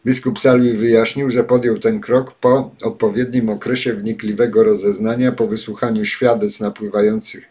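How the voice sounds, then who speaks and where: An older man giving spoken commentary and reading passages aloud, pausing often with filler sounds, recorded at a desk webcam in a home study. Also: lowish voice, little pitch movement, darkish tone, husky. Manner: halting, many filler sounds. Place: home study with bookshelves, indoors.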